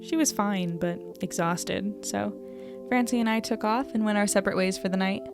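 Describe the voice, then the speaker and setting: A woman's voice: medium pitch, close to an everyday voice. A woman playing an earnest young newcomer to a strange town in an audio drama, speaking in a hesitant, musing, conversational way. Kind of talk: audio drama dialogue and reflective first-person narration.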